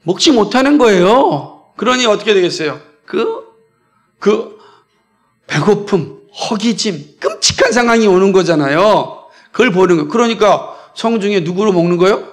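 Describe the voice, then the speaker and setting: Male pastor from South Korea, high-pitched, emphatic sermon delivery, keeps quizzing the congregation. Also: lively intonation, normal speed. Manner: emphatic, poses repeated questions to the congregation.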